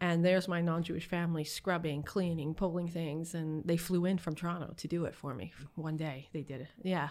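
In a Canadian accent, a normal speaking voice talks at a fairly quick pace with fairly even intonation. The recording is very clean, with a silent background. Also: woman, fairly low pitch for a woman. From Canada. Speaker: nonprofit CEO. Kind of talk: casual chat. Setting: office.

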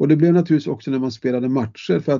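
A man is speaking. His pitch is medium. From northern Sweden, Skellefteå area. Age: 70s. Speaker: sports science lecturer. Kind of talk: casual interview. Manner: talkative.

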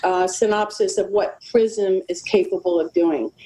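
At a fairly slow pace, a woman talks in a dark, mellow tone. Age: 60s. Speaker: nurse and health advocate. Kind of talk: interview.

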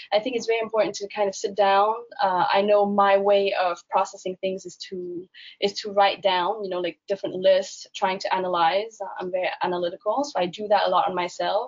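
A woman with an American accent has an ordinary speaking voice at a medium pitch. She talks at a fairly quick pace with fairly even intonation. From Vietnam (Hanoi), schooled in the US. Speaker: author. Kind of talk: interview.

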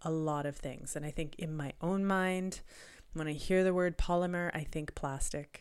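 Speaking at a fairly slow pace, a woman uses a very deep, low pitch and fairly even intonation. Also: very clean recording, silent background. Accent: Canadian. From Canada. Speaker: woodworking podcaster. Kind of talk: solo educational podcast.

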